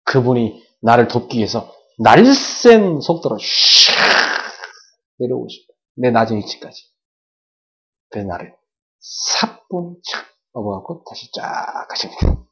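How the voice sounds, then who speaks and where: A man preaching a sermon at a church service, animated, tossing sound-effect words and questions to the congregation. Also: medium pitch, unhurried. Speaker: pastor. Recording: dull lo-fi church video recording.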